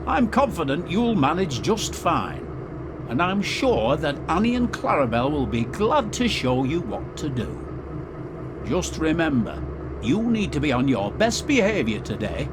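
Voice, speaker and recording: A man's voice: fairly high pitch, sing-song, measured pace, noisy background. A man voicing a kindly, authoritative railway controller who speaks formally and reassuringly in a storybook train game. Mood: reassuring, firm.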